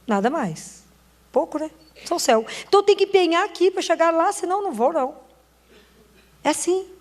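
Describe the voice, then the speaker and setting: Woman, Brazilian Portuguese accent, high voice, earnest sermon, long hall reverb. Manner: emotional and earnest, with short urging phrases. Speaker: Catholic preacher.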